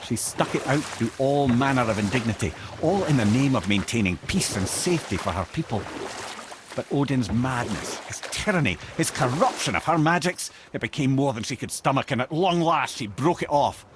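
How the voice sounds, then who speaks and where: A man plays an old Scottish sage from a video game, a former royal advisor with a wry, wordy turn of phrase. His mid-pitched voice swings expressively as he tells his tales in measured, theatrical fashion. Faint boat and water sounds sit behind him. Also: expressive, background noise, natural voice. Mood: regretful, grave. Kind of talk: video game character storytelling.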